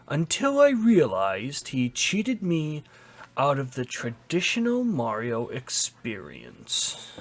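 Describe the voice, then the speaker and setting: Slow, theatrical man doing a dramatic reading. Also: mid-range voice. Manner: mock-serious, exaggerated dramatic delivery with drawn-out pauses. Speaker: video host reading an article aloud.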